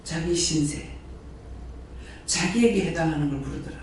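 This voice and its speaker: A man's voice: a little high, normal speed. A man preaching a sermon as prayer house director, firing repeated rhetorical questions at the congregation. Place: church hall. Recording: very echoey hall, voice from far off, faint noise.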